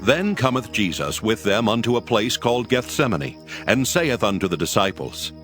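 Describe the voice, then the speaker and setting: A man's voice: on the low side, sing-song, normal speed. A man narrating dramatized scripture in a formal storytelling style. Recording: loud music under the voice.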